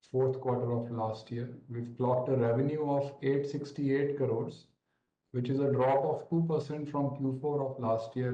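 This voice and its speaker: An Indian-accented man delivers a prepared corporate results presentation in a soft, mellow voice. His manner is formal and orderly. The audio is roomy and somewhat dull, like a conference call. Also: mid-range voice.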